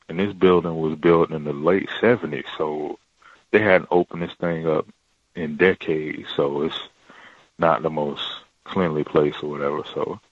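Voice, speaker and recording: A man calling in to describe his workplace, talking in a halting way with many fillers and restarts, in a deep voice. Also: husky, dry recording, muffled recording. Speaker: caller. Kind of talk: casual call-in account.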